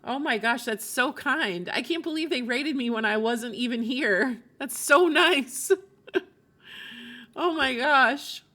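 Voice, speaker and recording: Bright-voiced woman chatting on a game livestream. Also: high voice, takes it slowly. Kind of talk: casual livestream chat while playing.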